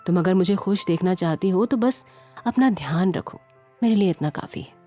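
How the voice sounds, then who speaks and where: Woman voicing a gentle protective young man. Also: on the low side, moderate pace, soft background music. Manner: calm and gentle, at times stern.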